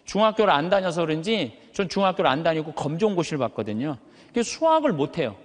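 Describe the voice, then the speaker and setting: Speaking quickly in a sing-song way, a Catholic priest lectures a live audience in a large hall that echoes, giving an animated, motivational sermon. His voice is male, high yet thick and full, and it carries. He drives points home emphatically with rhetorical questions and drawn-out words.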